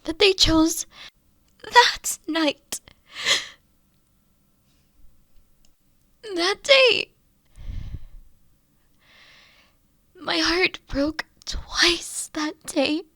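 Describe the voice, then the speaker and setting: Tender, teasing young queen woman acting, mature beyond her years, very unhurried delivery, intimate dry sound, roleplay audio. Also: very high voice, animated, dry recording, heavily acted. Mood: tearful, grieving. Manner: slow, soft-spoken, drifting into breathy whispers. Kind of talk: scripted roleplay audio drama, intimate one-on-one.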